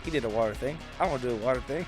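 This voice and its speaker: A man's voice: mid-range voice, rapid-fire, music in the background. A man chatting casually as a player in a tabletop roleplaying game podcast. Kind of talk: casual chat.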